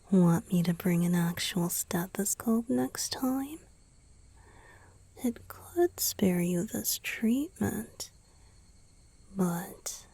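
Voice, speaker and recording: Breathy, gentle vampire boyfriend, voiced by a woman. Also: mid-range voice, no echo, exaggerated voice. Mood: softly teasing. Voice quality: breathy, mostly whispered. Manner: slow, intimate, soothing, softly teasing. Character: gentle, teasing, affectionate young male vampire boyfriend. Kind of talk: romantic ASMR roleplay.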